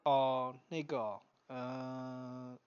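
A man co-hosting a podcast in casual chat, telling a story in a relaxed, rambling way full of fillers. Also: medium pitch, drawn-out words, clear, resonant tone, no echo. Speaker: podcast co-host. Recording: dry, slightly dull podcast audio.

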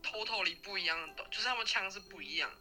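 A young woman with a Taiwanese Mandarin accent, a university student guest chatting casually and telling stories with lively laughter. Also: medium pitch, quick pace, faint music behind, poor audio. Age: young adult. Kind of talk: casual interview chat.

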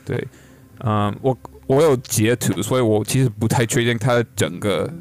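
Guitar music plays behind this man, a podcast co-host with a lowish voice at a moderate pace. In a casual chat he makes light jokes, hesitates as he phrases things, and keeps offering small confirmations.

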